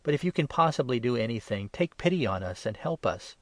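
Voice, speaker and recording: A man's voice: mid-range voice, expressive, fairly quick, no room sound, natural voice. A man reading scripture voices an anxious father of a sick boy, pleading with a raised voice.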